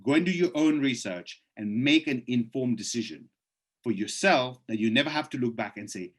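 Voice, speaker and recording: A man hosting a live presentation on a video call, reading out questions from the chat and answering them in a persuasive, urging way, with his voice going hoarse. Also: medium pitch, normal speed. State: losing his voice.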